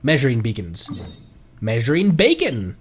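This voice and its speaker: A young man with blocked sinuses talks casually over gameplay, rambling and filling pauses with ums. His voice moves up and down a lot and sits in a middle register. Now and then he bursts out loud and excited. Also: mid-range voice, a little hiss or hum. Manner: rambling, hesitant with many ums; sudden loud excited outbursts. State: stuffed up, congested sinuses. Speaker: streamer.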